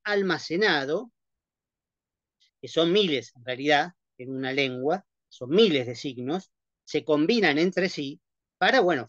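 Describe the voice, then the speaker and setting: A male lecturer with a slightly high voice teaches a class, explaining step by step and checking in with the students constantly. The recording is dull and lo-fi, with a dry sound and no room echo. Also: fairly bright tone. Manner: explanatory, checks in with frequent "¿sí?" and "¿no?" tags. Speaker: university lecturer.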